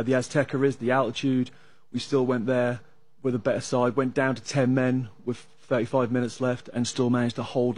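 A man with an English accent, an analyst calmly breaking down soccer tactics with some hesitation fillers. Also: medium pitch, no room sound. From England. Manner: measured, analytical, with frequent uh fillers. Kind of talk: sports talk discussion.

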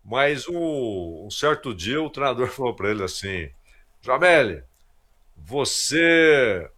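A man's voice: mid-range voice, sing-song, takes it slowly, a bit bright. A man commentating on a radio sports show, telling anecdotes and repeating words as he thinks. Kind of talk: casual radio chat.

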